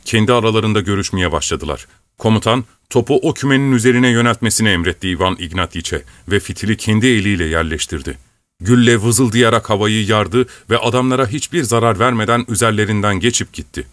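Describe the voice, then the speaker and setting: A man reading a classic novel aloud as an audiobook narrator in a measured, even storytelling manner. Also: lowish voice, no echo. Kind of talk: scripted narration.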